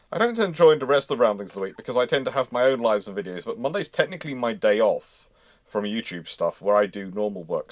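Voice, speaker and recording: With a lowish voice and clean studio sound free of room noise, a man hosts a naval history livestream. His casual talk wanders as he thinks out loud.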